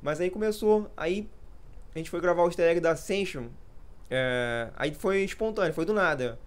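A man's voice: fairly high pitch, normal speed. A man in his thirties chatting casually in a vlog, rambling and losing his train of thought, poking fun at himself. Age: 30s. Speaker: gaming youtuber.

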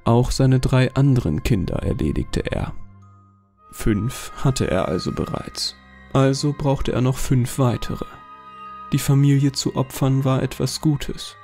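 A man narrating a scripted horror story in a calm, measured way. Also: mid-range voice. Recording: voice over faint music.

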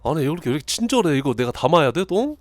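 A male game streamer chatting his way through a horror game, joking and reacting loudly. His voice sits a little high and swings widely in pitch. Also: racing, dry recording. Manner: animated, jokey, shouts in panic. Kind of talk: casual horror-game let's play.

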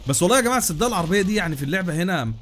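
A young Egyptian man rattling off gameplay commentary at breakneck speed in a high, bright voice. He exclaims often and talks straight to his viewers, recorded on a desk mic with a faint hum behind him. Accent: Egyptian Arabic. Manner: rapid, excitable, exclaiming and laughing, addressing viewers. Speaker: gaming YouTuber.

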